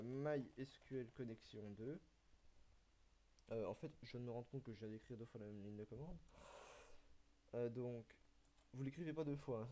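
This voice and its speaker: A young man explaining a coding tutorial step by step, halting and filling pauses with hesitations as he types. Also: mid-range voice, dark tone. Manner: halting, full of "euh" and "donc", talks while typing. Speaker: tutorial maker. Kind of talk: screen-recorded coding tutorial.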